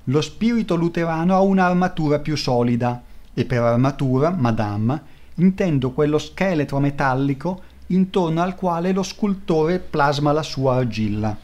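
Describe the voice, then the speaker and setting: A man reading aloud as a courtly, persuasive male court painter who speaks slowly and flatteringly. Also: a little high, close to an everyday voice. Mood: suave. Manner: slow, smooth and flattering.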